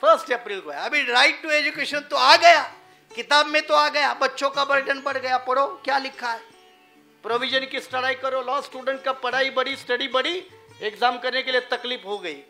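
Male lecturer, rhetorical and needling, a high forceful voice. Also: moderate pace, soft background music. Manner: rhetorical, asks the audience questions. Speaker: public speaker. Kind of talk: public lecture.

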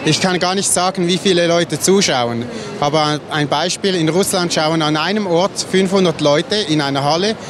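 A man's voice: on the high side, normal speed. A man on the broadcast crew in a busy event hall, eagerly explaining into an interviewer's handheld microphone. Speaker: live broadcast technician. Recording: noisy hall background.

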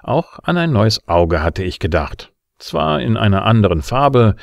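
Man acting a low-pitched, smug bounty hunter. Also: sing-song, unhurried, gravelly, no room sound, studio quality, full character voice. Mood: wry, smug. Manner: wry, self-satisfied. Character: cynical, smug male bounty hunter narrating his adventures. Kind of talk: sci-fi audio drama acting and first-person narration.

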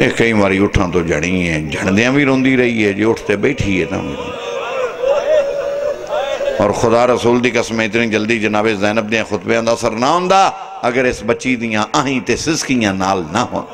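In a large tent filled with seated mourners, a zakir from Pakistan preaches a fervent majlis sermon. His fairly low voice moves at an ordinary pace, lurching from dramatic climbs to abrupt falls.

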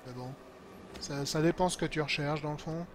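A man's voice: on the high side, steady tone, normal speed. A man giving casual, colloquial, mildly sarcastic live commentary as a game streamer. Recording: game sound clearly behind voice. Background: video game noise and ambience.

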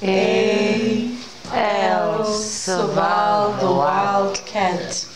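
A young woman playing a weary, hungry, polite tortoise in a live audio drama, speaking in a plodding, deliberate way. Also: medium pitch, fairly even intonation, over a noisy crowd. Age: young adult. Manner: plodding, deliberate, spelling out letters. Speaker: amateur actor in an audio drama. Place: large wood-panelled conference hall, indoors. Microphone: microphone on a stand, filmed by camera. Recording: echoey hall, clear background noise.

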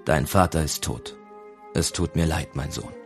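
A man reading the part of a grave, kindly abbot in an audiobook, speaking in a gentle, measured, solemn way. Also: deep voice, animated, soft background music.

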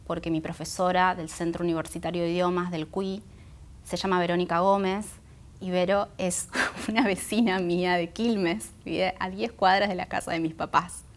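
A woman in her thirties with a Buenos Aires Argentine accent and Guaraní as her first language, reflecting thoughtfully in an interview, pausing between phrases, on a lapel mic. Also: lowish voice, little pitch movement. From Argentina, Buenos Aires area. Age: 30s. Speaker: interview guest, singer and poet. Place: indoor auditorium stage. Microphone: clip-on lapel microphone.

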